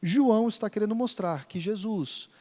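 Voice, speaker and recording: A man's voice: high voice, normal speed, warm tone. A man from Brazil preaching an expository sermon in a church hall, emphatic and repeating phrases for stress. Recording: long church reverb.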